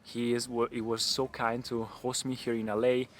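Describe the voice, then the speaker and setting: A man's voice: mid-range voice, flat delivery, moderate pace. A young man from Italy, hosting a casual interview outdoors and talking with many fillers and restarts. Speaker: vlogger host.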